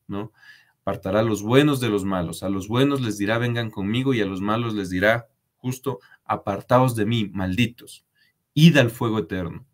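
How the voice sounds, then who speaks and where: A man giving a religious commentary on a letter. He is emphatic and repetitive, addresses his viewers directly and asks them to comment. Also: on the low side. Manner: emphatic repetition, frequent restarts. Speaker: preacher.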